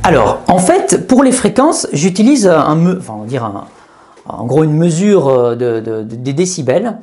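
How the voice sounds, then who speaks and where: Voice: mid-range voice, sing-song, moderate pace, a little mellow, faint music behind. A YouTuber reviewing gear in a chatty, step-by-step way with many hesitations, speaking into a lapel mic. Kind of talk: casual tech review. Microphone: lapel microphone.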